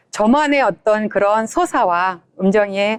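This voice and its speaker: Lively intonation lifts a woman's ordinary speaking voice at medium pitch. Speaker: singer and actor. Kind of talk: interview.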